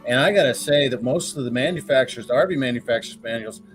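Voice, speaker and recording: A man's voice: medium pitch, quick pace, soft background music. A man hosting a live question-and-answer show, talking casually and telling jokes in a folksy way with plenty of fillers. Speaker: host.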